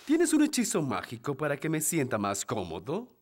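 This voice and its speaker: A man's voice: on the high side, wildly swooping pitch, normal speed. A man voicing a lazy, demanding fairy king in a children's cartoon, pompous, with a Latin American Spanish accent. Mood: languid, content. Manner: pompous, bellowing then languid. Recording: loud music behind the dialogue.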